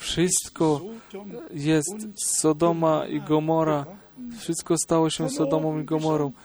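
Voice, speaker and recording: A man speaks at a very slow pace with a fairly high pitch and monotone, flat intonation. Long, frequent pauses break his speech amid noticeable background noise. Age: 70s. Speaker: preacher. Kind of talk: sermon.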